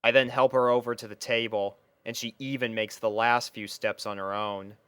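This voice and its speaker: A man's voice: medium pitch, fairly even intonation, moderate pace, bright, forceful tone, clean tone, dry recording. A young man reading a scripted first-person story as its narrator.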